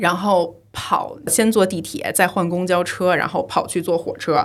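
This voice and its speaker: A woman's voice at a medium pitch with ordinary pitch variation, a normal speaking voice. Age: 30s. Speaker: video blogger. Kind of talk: casual chat.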